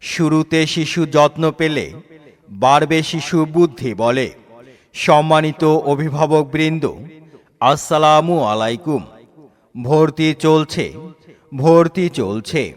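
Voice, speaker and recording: A man with a Bangladeshi accent reading a scripted promotional public announcement in formal, measured, paused phrases, with a loudspeaker-announcement sound. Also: fairly high pitch. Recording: long reverberant echo, loudspeaker-announcement sound.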